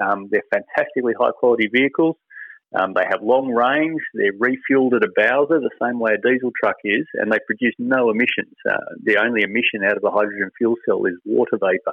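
A man with an Australian accent speaks fairly quickly at a very even loudness. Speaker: clean technology company executive. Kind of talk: interview.

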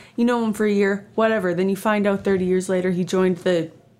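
A woman speaks with a Canadian accent at a fairly quick pace. Her intonation is monotone and flat. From Canada, Alberta. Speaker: podcast host and creator. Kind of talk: casual solo podcast monologue. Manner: casual, rambling, chatty.

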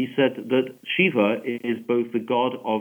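A man speaks with an English accent. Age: 60s. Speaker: journalist and author. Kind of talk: interview. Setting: remote call.

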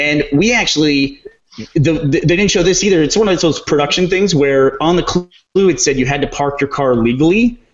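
With an American accent and an unremarkable speaking voice, a man talks at a fairly high pitch and moderate pace, with ordinary pitch variation and very even loudness. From Texas. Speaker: reality show contestant. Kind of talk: casual chat.

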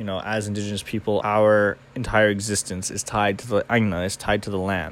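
A man with a fairly low pitch, monotone, flat intonation, a fairly quick pace and hardly any pauses. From Hawaii. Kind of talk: prepared personal essay.

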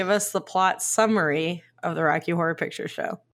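A plain, everyday voice from a woman, medium in pitch with ordinary pitch variation, at a fairly quick pace on a very clean recording with a silent background. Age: 20s. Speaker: movie podcast co-host. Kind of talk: casual chat.

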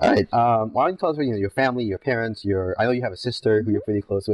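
Noticeable background noise sits behind a man talking at a very fast pace. His pitch is fairly low, with ordinary variation. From Filipino-American. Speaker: podcast host. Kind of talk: casual interview. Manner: casual, filler-heavy.

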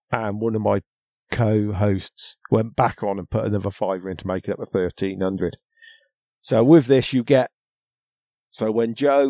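A man speaks at a moderate pace with a southern English accent, his medium-pitched voice dark and mellow in tone. The sound is dry and close with no echo, on a very clean recording with a silent background. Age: 50s. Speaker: podcaster. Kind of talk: casual chat.

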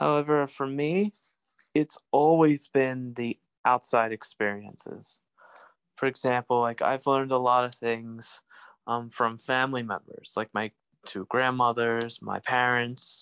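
Pitched at a medium level, a man speaks at a fairly slow pace with ordinary pitch variation. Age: 30s. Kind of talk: interview. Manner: halting.

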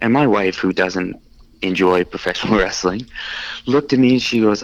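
This man has a normal speaking voice, a fairly low pitch, ordinary pitch variation and a moderate pace. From Ontario, Canada. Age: 30s. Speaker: artist. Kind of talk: casual chat. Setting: studio.

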